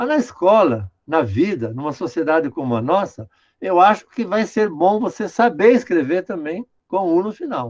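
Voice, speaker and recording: Very wide pitch swings at a moderate pace, set against a quiet background. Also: man. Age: 70s. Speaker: linguistics professor. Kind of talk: online lecture talk. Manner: conversational, repeats fillers like né.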